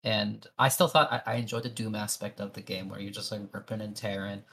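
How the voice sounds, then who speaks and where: A man co-hosting a podcast, chatting casually about game demos, joking at his own expense in quick bursts. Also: on the low side, flat delivery, sharp tone, a little hiss or hum. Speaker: podcast co-host.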